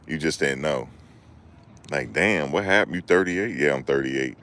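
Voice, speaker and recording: A man with a bass voice and a fairly bright tone hosts a livestream at normal speed. He chats loosely with the people watching, joking around, rambling, and replying to chat.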